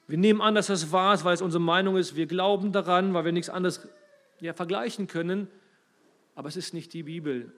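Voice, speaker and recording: Emphatic man preaching. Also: on the high side. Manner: emphatic, rising and falling in loudness, addresses listeners directly. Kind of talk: sermon.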